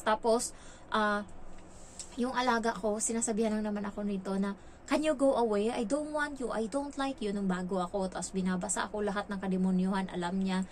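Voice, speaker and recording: A woman's voice: mid-range voice, a little hiss or hum. A woman from the Philippines vlogging casually and frankly about her work as a domestic helper abroad. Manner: chatty, frank, acts out quoted lines. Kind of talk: casual storytelling vlog.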